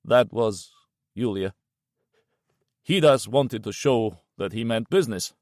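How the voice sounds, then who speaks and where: A man voicing a grim white-haired older man who speaks quietly and without life in a dull, hollow tone. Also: lowish voice, slow, dry recording, clean studio sound. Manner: dull, lifeless, quiet delivery.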